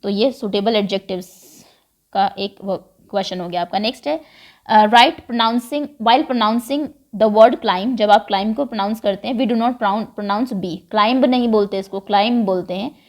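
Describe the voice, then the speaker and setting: A woman's voice: mid-range voice, normal speed, darkish tone. A woman teaching an English worksheet, switching between Hindi and English phrases and explaining patiently.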